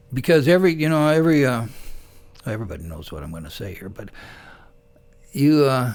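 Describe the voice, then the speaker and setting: A man at a moderate pace, relaxed in tone, with very wide pitch swings. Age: 70s. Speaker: cowboy poet and musician. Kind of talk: casual chat. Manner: relaxed, halting with fillers.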